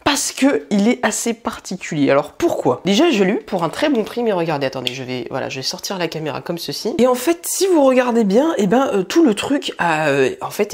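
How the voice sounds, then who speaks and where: Woman rambling through a tech unboxing vlog, low voice but lively, lots of um and restarts. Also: slight background noise. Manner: chatty, rambling, many fillers and restarts. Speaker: tech video host. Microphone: wireless mic.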